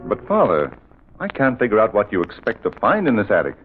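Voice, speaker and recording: A man's voice: fairly low pitch, wildly swooping pitch, brisk, soft background music. An actor playing a puzzled, questioning man at an investigation, in old-time radio drama style. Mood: puzzled, concerned. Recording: noisy, tinny vintage radio recording.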